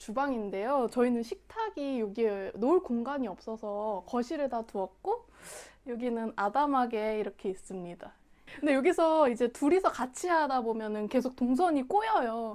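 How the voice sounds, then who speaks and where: Lively, high-pitched speech from a woman, moderate in pace. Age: 30s. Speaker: homemaker on parental leave. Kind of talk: casual home tour chat. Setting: at home.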